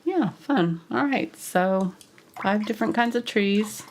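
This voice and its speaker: A woman with a cold gives casual live painting instruction, her stuffed-up nose making her sound congested and her breathing audible. Her low, husky voice is expressive, slow and a little mellow, and she murmurs in a way that trails off, over a slight hiss or hum.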